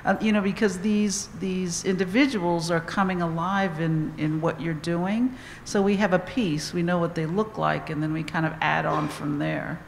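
A woman's voice: fairly low pitch, fairly even intonation, moderate pace, gravelly, hardly any pauses, a little hiss or hum. A woman in the audience asking the panel a long, meandering question, searching for words as she goes. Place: auditorium audience. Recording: roomy echo, distant from the mic, faint ambience.

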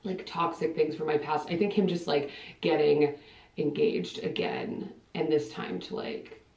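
A woman in her twenties from Ohio, in her late twenties, vlogs to camera from a small indoor bathroom, chatty and rambling and saying "like" constantly. Her voice sits low, steady and measured, creaky and a little mellow. The camera mic is a few feet away, giving echoey, distant, dull audio.

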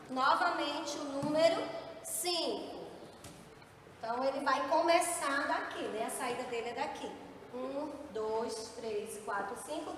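Her voice high, a woman teaching young kids a board game counts slowly out loud and urges them on. The mic picks her up from some way off in an echoey space, with a little hiss or hum.

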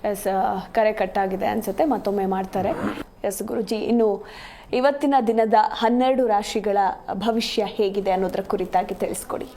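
A woman hosting a live call-in show, asking callers brisk, businesslike questions. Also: medium pitch, steady tone, dark tone, a little hiss or hum. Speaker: show host.

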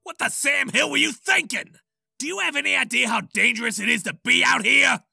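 A man playing a gruff, hot-tempered country character in an audio drama, with a Southern US accent and folksy speech. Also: extremely high pitch, fairly quick, bright, forceful tone, no echo, studio quality, exaggerated voice. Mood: angry.

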